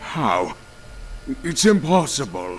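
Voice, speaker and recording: Putting on a character voice, a man pitches fairly high with very wide pitch swings, and clear background noise is present. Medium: video game. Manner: imperious, dismissive.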